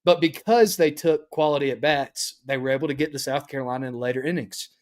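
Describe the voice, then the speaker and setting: A man co-hosting a casual sports podcast, talking in a measured, agreeable way. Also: on the high side. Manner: measured, agreeable, many "uh" fillers.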